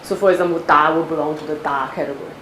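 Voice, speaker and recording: A woman with a Cantonese accent, fielding audience questions after her lecture and explaining with quick examples. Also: low voice, steady tone, a bit bright. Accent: Cantonese-accented English. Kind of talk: academic Q&A after a talk. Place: lecture hall. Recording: echoey lecture hall with faint noise.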